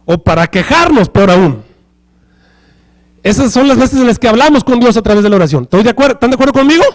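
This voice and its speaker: A man's voice: very high voice, animated, fast talker. A male pastor preaching a sermon in church, often checking with the congregation through rhetorical questions.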